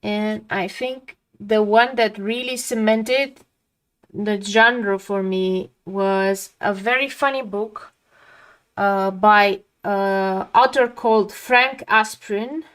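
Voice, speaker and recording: A woman's voice: medium pitch, fairly even intonation, takes it slowly, fairly bright tone, smooth. A woman from Romania, speaking English as a second language, chatting casually and reflectively while she paints on a live stream, often trailing off mid-sentence.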